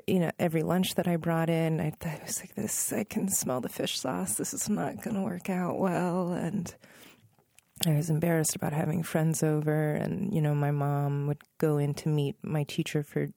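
A woman in her thirties talks through her memories in a studio interview. Her voice sits low, with a gravelly fry and a mellow tone, and the sound is close and dry. She often stops to rephrase and laughs softly now and then. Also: fairly even intonation, moderate pace, no echo. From Northern Virginia, USA. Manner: thoughtful, self-correcting, laughs softly. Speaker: musician guest. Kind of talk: relaxed interview conversation.

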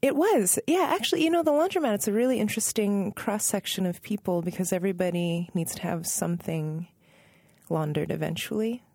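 A woman in her thirties from Northern Virginia, a musician answering interview questions in a relaxed, thoughtful way, pausing and correcting herself and laughing softly. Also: mid-range voice, no room sound. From Northern Virginia, USA. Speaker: musician guest.

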